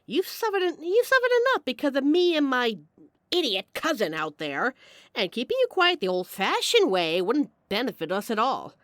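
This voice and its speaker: Woman performing a female mobster, brash, charming, wry, flirtatious, theatrical, very animated intonation, audio drama roleplay, dry studio-like sound. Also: sits high, normal speed, no room sound. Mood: apologetic, charming. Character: brash, charming, apologetic female mafia boss. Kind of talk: audio roleplay acting addressed to the listener.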